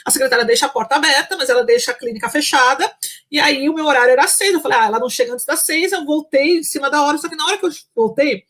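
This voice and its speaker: A woman's voice: high voice, quick pace, a bit bright. A woman, a psychology professor, telling a story in a casual interview, chatty, full of fillers and restarts, acting out what people said. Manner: chatty, many fillers and restarts, acts out quoted speech.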